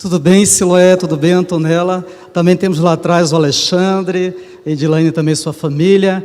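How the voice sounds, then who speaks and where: Moderate pace with noticeable background noise. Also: man. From Manaus, Amazonas, northern Brazil. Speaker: pastor. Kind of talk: sermon. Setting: church.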